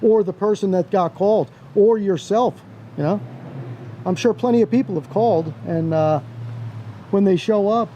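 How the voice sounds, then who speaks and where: A man's voice: high voice, normal speed, dark tone, highs cut off. A man giving casual advice in a monologue, emphatic, driving points home in short phrases. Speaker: online video commentator. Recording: faint car and outdoor noise.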